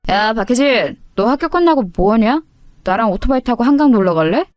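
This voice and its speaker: A woman voicing a menacing teenage boy bully who talks in a rough, threatening way. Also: fairly high pitch, animated, fairly quick, darkish tone, no room sound, studio quality, faint music behind, lightly acted.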